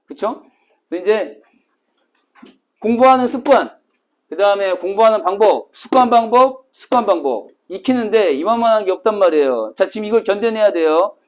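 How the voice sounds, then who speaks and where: A man teaching a cram school Korean class, telling stories vividly and acting out scenes with sudden shouts. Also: high voice, expressive, normal speed. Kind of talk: classroom lecture to exam retakers.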